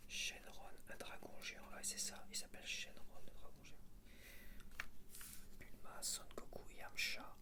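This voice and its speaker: A man whispering casual ASMR commentary, murmuring informally as he thinks aloud. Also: a little slow. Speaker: ASMR video creator.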